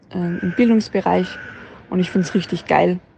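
A woman with a medium pitch and ordinary pitch variation talks at a moderate pace, noticeable background noise underneath. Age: 20s. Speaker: former special-needs teacher. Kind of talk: recorded personal story.

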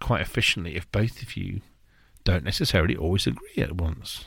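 The speaker has a British accent and ordinary pitch variation. The recording is very clean, with a silent background. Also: man.

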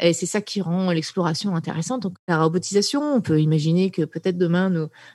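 A woman with a normal speaking voice and fairly low pitch talks at a moderate pace with ordinary pitch variation. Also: very clean recording, silent background. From France. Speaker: cognitive psychologist. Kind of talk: interview.

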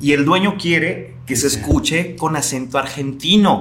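At a moderate pace, a man speaks as noticeable background noise continues. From Mexico, Jalisco region. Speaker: radio host. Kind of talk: casual chat. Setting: studio.

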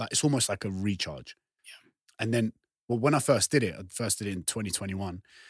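A man with an unremarkable speaking voice talks at a fairly quick pace in a fairly low pitch with ordinary variation and big swings in loudness. The sound is dry and close with no echo, very clean, with a silent background. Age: 30s. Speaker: podcast host. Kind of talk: casual chat.

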